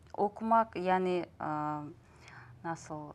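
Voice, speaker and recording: A woman speaks very slowly. The variation in her pitch is ordinary. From Kazakhstan. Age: 30s. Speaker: makeup artist and eyelash extension specialist. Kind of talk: TV interview. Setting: TV studio. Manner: halting. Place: studio.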